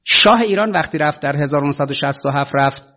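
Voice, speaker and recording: Male lecturer, slightly high voice, fiery rhetorical delivery to students, dull lo-fi recording. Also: pushed and bright. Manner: emphatic, rhetorical questions, acts out quoted officials. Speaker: speaker addressing students. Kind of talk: impassioned political lecture.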